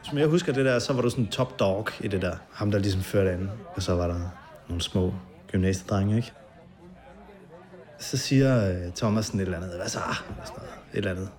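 A man being interviewed, recounting a memory in a halting way with many fillers and vivid detail. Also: on the low side, darkish tone.

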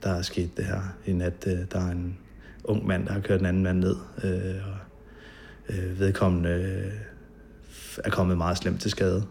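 A man being interviewed, recounting a memory in a halting way with many fillers and vivid detail. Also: sits low, completely flat delivery, creaky, a little mellow, slight background noise.

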